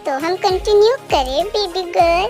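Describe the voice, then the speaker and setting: A cheeky young lover who teases and coaxes in a fan-dubbed romance drama, as a woman puts him on. He sounds very high and light for a man, with music playing underneath. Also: normal speed. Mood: teasing. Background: background music.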